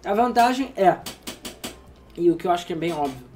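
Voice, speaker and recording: A man's voice: high voice, expressive, a little fast, a little mellow. A sleepy man co-hosting a casual gaming chat, rambling and swearing freely. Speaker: podcast co-host.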